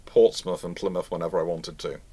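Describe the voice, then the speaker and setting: A man hosting an unscripted live panel discussion, speaking haltingly and rephrasing as he goes. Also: deep voice, fairly even intonation, dark tone, husky. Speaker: host of a live question panel.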